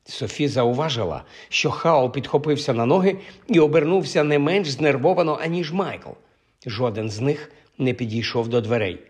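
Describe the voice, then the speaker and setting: Man narrating a storybook, measured and even. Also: medium pitch, breathy edge. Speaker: audiobook narrator.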